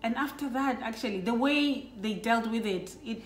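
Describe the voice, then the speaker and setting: A woman's voice: fairly high pitch, normal speed. Chatty middle-aged woman, roomy echo. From Lesotho. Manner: chatty, reflective storyteller with frequent fillers. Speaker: vlogger talking with her children. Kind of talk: casual family chat. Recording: roomy echo with faint background music.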